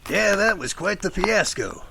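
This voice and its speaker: A man's voice: high voice, sing-song, measured pace, gravelly, noisy background, heavily acted. A man playing an opinionated friend who reasons at length and argues his points in an audio drama. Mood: reasoned. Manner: explanatory, argumentative, long reasoned speeches. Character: opinionated, reasoning male friend debating strange phenomena.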